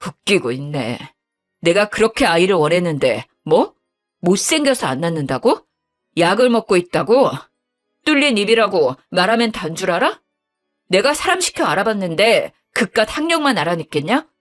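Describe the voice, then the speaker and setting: A woman voicing an angry young husband who scolds bluntly in a lowered voice. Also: very animated, moderate pace, soft background music, close to an everyday voice.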